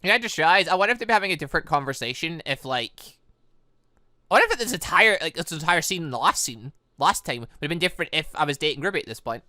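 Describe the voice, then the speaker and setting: A gaming channel host giving animated, exclamatory playthrough commentary with rambling asides. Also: medium pitch, fast, no echo, clean studio sound. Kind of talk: playthrough commentary mixed with reading game dialogue aloud.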